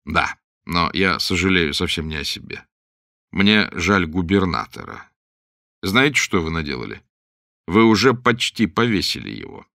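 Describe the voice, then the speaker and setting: A man's voice: low-pitched, gravelly, no echo, clean studio sound, heavily acted. Man reading a cool ironic pirate captain. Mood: calm ironic. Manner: calm, dryly ironic, measured.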